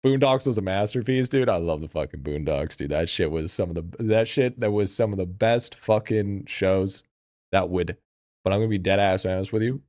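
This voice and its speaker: Male streamer, lowish voice, casual frat bro talk, slangy and sweary, dry recording. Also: normal speed, a little mellow, no room sound. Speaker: live streamer. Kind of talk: casual livestream chat.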